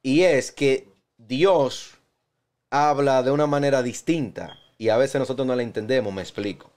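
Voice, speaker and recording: A young man chatting on a Christian youth panel, an animated storyteller who jokes between points. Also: mid-range voice, normal speed. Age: young adult. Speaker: youth preacher in panel talk. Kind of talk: casual Christian panel chat.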